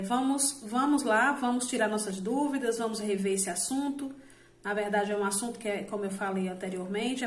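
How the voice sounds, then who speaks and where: A woman's voice: mid-range voice, echoey room. A woman teacher giving a recorded online lesson, explaining step by step with frequent "né?" check-ins and self-corrections, drawing out example words. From Brazil.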